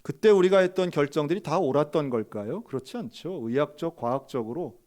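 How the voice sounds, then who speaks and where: A man's voice: fairly high pitch, a little fast. A middle-aged man preaching a sermon as a pastor, telling a story and acting out the quoted questions and answers, often putting direct questions to his congregation. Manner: storytelling, acts out quoted dialogue with sharp rises.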